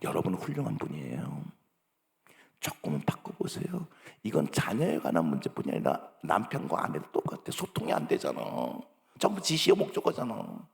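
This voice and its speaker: A male pastor preaching, acting out parents and children in lively bursts. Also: a little fast, creaky. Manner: acts out parent and child dialogue with sudden high-pitched bursts. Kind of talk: sermon. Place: church sanctuary. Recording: long church hall reverb.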